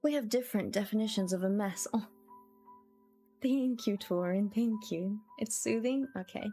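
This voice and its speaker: Female livestream host, gentle and chatty, mid-range voice, casual delivery over background music. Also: mid-range voice, normal speed. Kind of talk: casual chat to livestream viewers.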